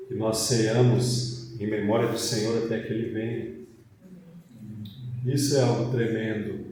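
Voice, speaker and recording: Slow Brazilian preacher in an echoey hall. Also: male voice, medium pitch, dark tone. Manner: deliberate, phrase by phrase, with rhetorical questions. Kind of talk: sermon with scripture reading. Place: church meeting hall. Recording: very echoey hall, distant mic, faint noise.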